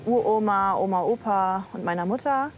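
A woman's voice: mid-range voice, moderate pace, faint music behind. A woman in her thirties, a pastor, talking openly and reflectively in an interview. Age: 30s. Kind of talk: casual interview talk.

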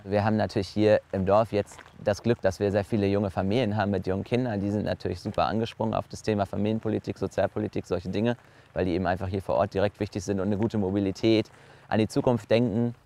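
A man's voice: fairly low pitch, fairly even intonation, quick pace, mellow. A man in his twenties, a local political candidate, speaking earnestly in an interview. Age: 20s. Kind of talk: casual interview statement.

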